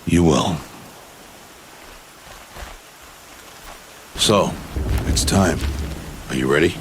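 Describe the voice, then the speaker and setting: An actor playing a stern middle-aged tribal outcast hunter and mentor in a video game, speaking in a solemn, measured, commanding way. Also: male voice, extremely low pitch, background noise. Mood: subdued, resolute. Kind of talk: dramatic video game cutscene acting.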